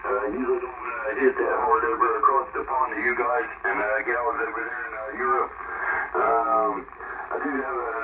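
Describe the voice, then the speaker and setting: A man from southern Ohio with an American accent makes halting, casual radio contact as a CB operator, full of jargon and sign-offs, through a CB transmission. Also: medium pitch. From southern Ohio, United States. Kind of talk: casual long-distance CB radio exchange. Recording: narrow, noisy radio signal, distant and echoey.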